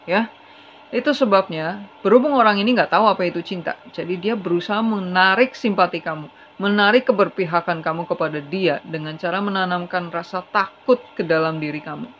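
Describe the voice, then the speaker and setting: Tarot reader, chatty, earnest, mid pitch, slightly dull recording with faint hiss. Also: a bit bright. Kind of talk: casual tarot reading to camera.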